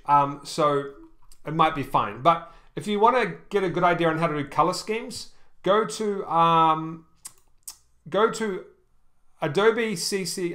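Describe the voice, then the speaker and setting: Over a shared screen, a man walks through an online store in a halting, informal manner, restarting often and saying um a lot. His slightly bright voice sits on the high side, and he frequently checks in with "okay?".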